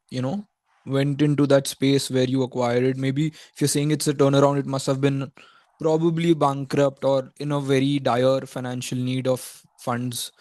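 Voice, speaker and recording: Man, Indian accent, dark soft-edged tone, dry close sound, analyst, polite pointed questioning. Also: mid-range voice, dry recording. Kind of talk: conference call questioning.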